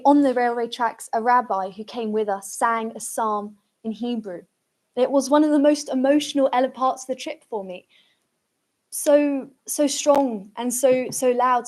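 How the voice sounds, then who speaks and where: A woman with a fairly high-pitched voice gives a reflective public talk. She sounds earnest and repeats phrases for emphasis as she addresses her listeners. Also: darkish tone. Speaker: speaker at a commemorative event.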